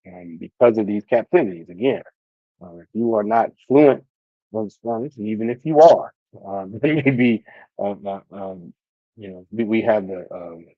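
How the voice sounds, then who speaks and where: A man's voice: on the low side, animated, normal speed, no room sound, narrow, tinny audio. A man teaching an online class, talking loosely with many fillers and restarts.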